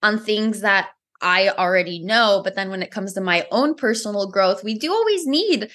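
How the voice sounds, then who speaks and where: A woman whose first language is Romanian, a mindset coach telling her story in a podcast interview, earnest and animated. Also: medium pitch, moderate pace. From United States. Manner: earnest, animated storytelling with acted-out inner dialogue.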